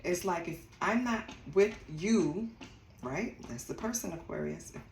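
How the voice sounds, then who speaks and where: A woman's voice: fairly low pitch, unhurried, gravelly. A woman from Costa Rica giving a casual tarot reading, talking bluntly and swearing freely. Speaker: tarot reader. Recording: echoey room with steady background noise.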